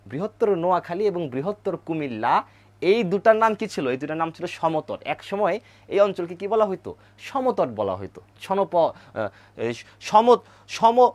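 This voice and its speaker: A man's voice: on the high side, no echo. A male teacher, giving an online history lesson over map slides, repeating key names and quizzing his viewers. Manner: repeats key words, quizzes viewers, has them chant names aloud.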